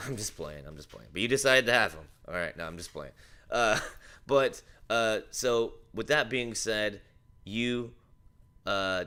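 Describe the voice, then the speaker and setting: A man's voice: lowish voice, bright, forceful tone. A man hosting a casual live news stream, joking and rambling with lots of fillers. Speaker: livestream news host.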